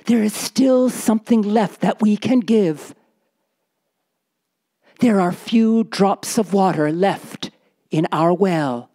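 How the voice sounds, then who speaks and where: Woman telling a tale as a nomad's worried wife, pleading, insistent, high raised voice, slow deliberate phrasing. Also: dark tone. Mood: urging. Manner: pleading, repeating "husband" with rising intensity. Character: poor desert nomad's wife, anxious and insistent.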